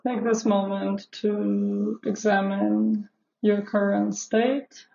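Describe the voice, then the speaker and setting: A woman leading a guided meditation in a measured, instructional way, with long pauses between phrases. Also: mid-range voice, flat delivery, creaky, dark tone, dull audio. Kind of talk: guided meditation, live session.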